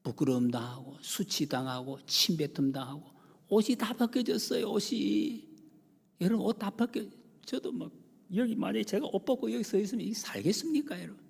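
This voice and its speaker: A man's voice: high voice, expressive, a little fast, vocal fry, breathy edge. Male preacher in a reverberant church. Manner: emphatic preaching, swings between loud exclamations and hushed whispers; addresses the congregation often as "여러분". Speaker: pastor. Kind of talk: sermon. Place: church sanctuary. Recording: long church hall reverb.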